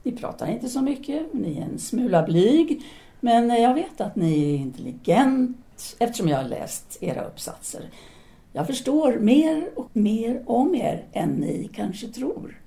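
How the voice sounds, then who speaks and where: A woman's voice: fairly high pitch, big pitch swings, creaky, mellow. A woman acting in an audio drama as a self-assured female philosophy teacher in 1930s Paris, speaking in an articulate, formal, didactic way. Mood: confident, probing.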